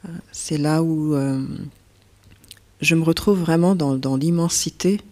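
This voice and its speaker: A woman from Burundi with a Burundian French accent, whose first language is Kirundi, speaking as a poet in a reflective interview, pausing often with fillers and restarts. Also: low voice, darkish tone. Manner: hesitant, many fillers and restarts. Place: stage at a poetry house.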